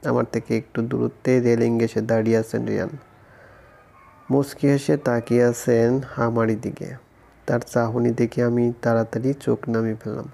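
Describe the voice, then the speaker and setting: Casting note: male narrator for romance audio stories, low mellow voice with fry, monotone delivery. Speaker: story narrator, channel host.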